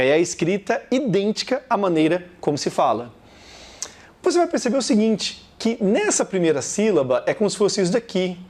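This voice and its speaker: A man teaches a recorded video lesson in a Brazilian Portuguese accent, speaking to the viewer head-on and slowly repeating example words. His voice is high and a little mellow.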